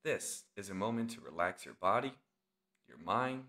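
A man leading a guided meditation as the instructor, speaking in short, deliberate phrases with long pauses. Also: lowish voice, sharp tone.

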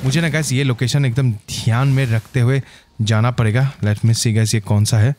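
A man hosting his gaming channel, giving excitable gameplay commentary and calling out to his viewers constantly. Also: mid-range voice, moderate pace, noisy background. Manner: excitable, keeps saying "guys".

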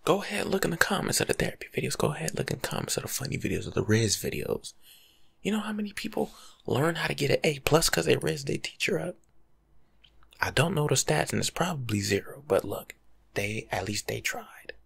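A young man doing soft-spoken ASMR as a laid-back, rambling life coach, husky and often slipping into a whisper. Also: fairly high pitch, sing-song, a little fast. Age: young adult. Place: small room at home.

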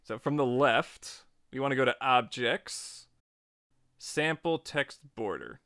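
A man narrating a software tutorial in a chatty, informal way, guiding step by step. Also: mid-range voice, animated, slow pace, dry recording, clean studio sound. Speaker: tutorial host.

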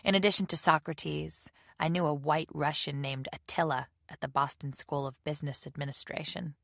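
Low, gravelly woman reading an audiobook. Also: steady tone, normal speed, fairly bright tone, dry recording, clean studio sound. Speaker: audiobook reader. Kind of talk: audiobook narration.

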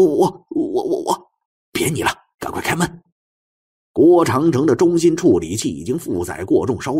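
A man's voice: mid-range voice, a little mellow, breathy edge, no echo, studio quality. A man giving a theatrical, suspenseful dramatic narration of a novel as an audiobook narrator.

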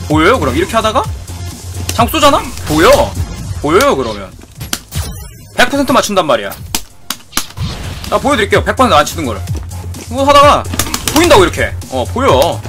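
High, lively man swearing at a game. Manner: excitable, swears at the game, repeats phrases. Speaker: game streamer. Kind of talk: fighting game tutorial commentary. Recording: music playing behind.

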